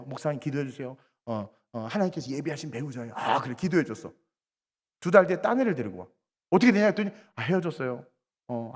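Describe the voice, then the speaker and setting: A man preaching a sermon, acting out little dialogues and swinging between loud bursts and quiet asides. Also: a little high. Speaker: guest preacher at a revival service. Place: church sanctuary. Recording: long church reverb.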